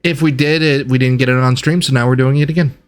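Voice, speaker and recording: A man narrating a tabletop game as game master, improvising scenes in measured phrases with pauses. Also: medium pitch, steady tone.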